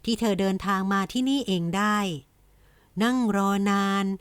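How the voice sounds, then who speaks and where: A woman narrating a romance audiobook in an even, gentle storytelling manner. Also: mid-range voice, moderate pace, clear, resonant tone, no echo. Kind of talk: scripted romance novel narration.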